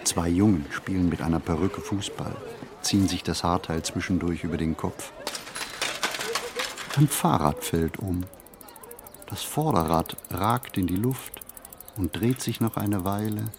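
An actor playing a reflective writer in a literary radio play, speaking his monologue in measured, deliberate phrases. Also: deep voice, background noise. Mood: observant. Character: reflective male writer musing on writing and society. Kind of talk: literary radio play monologue, scripted first-person narration.

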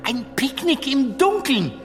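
A man's voice: very high-pitched, sing-song, a little slow, exaggerated voice. A man playing a playful, eager comedian in a theatrical audio drama, coaxing and teasing his companion. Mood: playful, enthusiastic. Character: Stan Laurel, playful eager comedian, leading a companion through darkness. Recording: long reverberant hall, music behind.

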